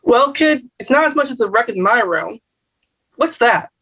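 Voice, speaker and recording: A woman's voice: fairly high pitch, animated, moderate pace, a bit bright, breathy edge, full character voice. A woman reading a nagging Jewish mother. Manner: nagging, blunt. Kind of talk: table read acting.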